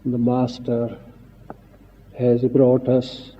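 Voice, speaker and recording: A man giving a solemn devotional speech as a spiritual teacher, in halting short phrases with long pauses. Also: mid-range voice, monotone, mellow. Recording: muffled 1950s archive recording, reverberant hall, phone-like.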